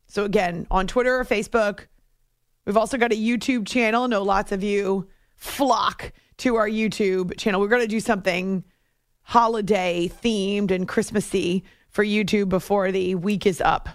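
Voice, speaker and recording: A woman hosting a sports radio show in a chatty, animated monologue from a studio. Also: medium pitch, normal speed, no room sound. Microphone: close studio microphone.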